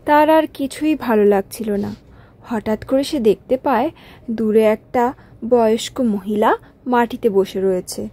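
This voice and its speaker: A woman narrating a cartoon story calmly. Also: on the high side, moderate pace.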